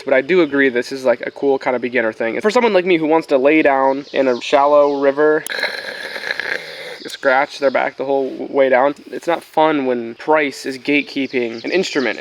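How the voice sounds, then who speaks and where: A man's voice: medium pitch, fairly bright tone. A young man talks to the camera at an outdoor campsite. He is chatty, laid-back and joking. Faint music plays behind him. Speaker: camping vlogger. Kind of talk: casual vlog talk.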